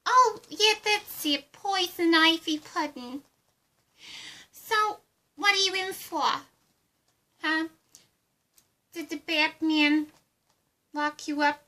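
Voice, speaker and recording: A woman playing a giddy, childlike clown villainess with a high, girlish voice and cutesy, singsong delivery in an amateur roleplay. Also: slow, pauses often, bright, forceful tone, exaggerated voice. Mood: playful, taunting. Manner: cutesy, singsong, pet-name-dropping.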